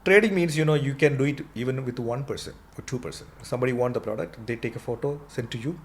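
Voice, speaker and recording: A middle-aged man speaks with an Indian accent as a podcast guest. His voice sits at an average pitch. He talks conversationally, explaining step by step and repeating phrases to stress them. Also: quick pace. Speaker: entrepreneur interview guest.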